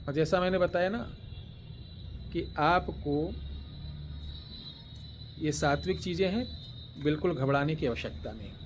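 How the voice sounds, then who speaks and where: Man slowly dictating a mantra. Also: fairly high pitch, soft background music. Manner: slow deliberate dictation, chanting words one by one; repeats phrases, throat-clearing pauses. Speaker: tantric spiritual teacher. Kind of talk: devotional instruction with mantra dictation.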